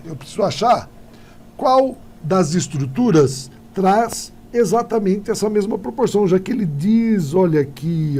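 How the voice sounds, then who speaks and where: Talking straight to the camera in an exam-prep video, a Brazilian man with a high-sitting, dark-toned voice gives a Portuguese lesson. He checks in often with quick tag questions, and a slight hiss or hum is audible.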